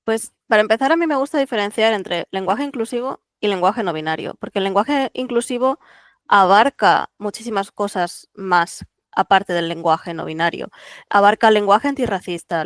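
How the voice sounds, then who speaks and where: A speaker whose first language is Catalan, talking as a translator guest on a podcast in a thoughtful, explanatory way with frequent fillers. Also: female voice, medium pitch, moderate pace, smooth, dry recording. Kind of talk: relaxed podcast interview.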